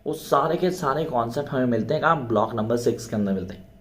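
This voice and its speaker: Male tutor, mid-pitched, repeats key terms slowly, echoey room. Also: a bit bright. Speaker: teacher. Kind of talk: exam preparation lecture.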